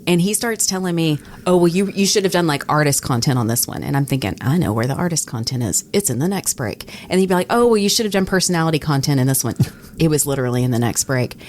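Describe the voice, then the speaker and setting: A woman with a slightly low voice tells stories in a casual, conversational way. She acts out the exchanges she remembers, like a podcast co-host swapping work stories. Faint noise sits behind her. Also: lively intonation, quick pace, darkish tone. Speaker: radio personality and podcast co-host.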